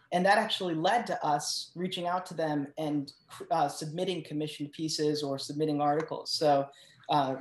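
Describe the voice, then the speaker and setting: A presenter gives a case study in a semi-spontaneous conference style. The voice comes with a roomy echo, and the delivery is halting, with words repeated as thoughts form. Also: mid-range voice. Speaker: journal team member presenting a case study. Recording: roomy, echoing sound.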